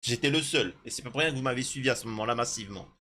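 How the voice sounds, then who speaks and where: Guy reading an article then going off on rambly indignant tangents to his viewers, lots of uh, bright punchy voice. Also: medium pitch, rapid-fire, slight background noise. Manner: rambling asides with many hesitations; indignant, talks to viewers directly. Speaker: YouTube news commentator. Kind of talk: reading an article aloud with off-the-cuff commentary.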